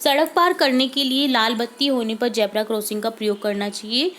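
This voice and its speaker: A woman, a teacher going through worksheet answers, patiently repeating each answer slowly and mixing in English words. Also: on the high side, fairly even intonation, a bit bright.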